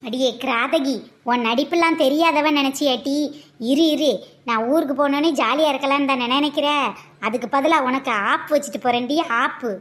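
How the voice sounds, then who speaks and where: Woman doing a cartoon old mother-in-law, very high voice, scolding, sly, mock-threatening. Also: brisk, natural voice. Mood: scheming. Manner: scolding, sly, dramatic drops to low threats. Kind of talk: cartoon comedy voice acting.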